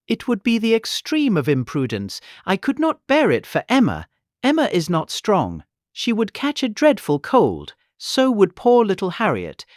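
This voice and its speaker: A fretful old gentleman, forever anxious about everyone's health. His pleading, worrying delivery swings wildly up and down, recorded close and dry, as in a full-cast audiobook of a period novel. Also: sits high, wildly swooping pitch, a little slow, no echo, full character voice. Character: fretful elderly English gentleman, anxious father fussing over health.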